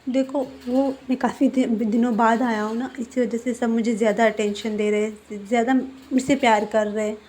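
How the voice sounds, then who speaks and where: A woman voicing a gentle, apologetic young man who pleads and protests in a fan-fiction story. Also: on the high side, fairly even intonation, normal speed, few pauses, slightly rough. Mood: coaxing.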